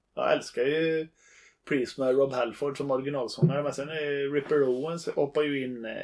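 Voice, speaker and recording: At a fairly slow pace, a man with an ordinary speaking voice and fairly high pitch talks with fairly even intonation. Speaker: bass player and former wrestler. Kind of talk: casual chat.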